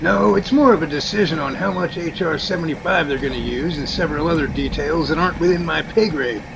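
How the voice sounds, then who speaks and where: A man's voice: a little high, fairly quick, creaky, background noise. A man playing a chatty, folksy professor who explains things at length in an amateur radio drama. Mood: explaining.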